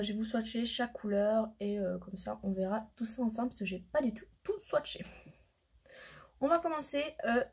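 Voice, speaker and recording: A woman's voice: on the high side, warm tone, husky. A woman chatting casually in a makeup vlog at home, rambling with lots of fillers as she swatches products. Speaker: beauty vlogger. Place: home room by a window. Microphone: camera mic.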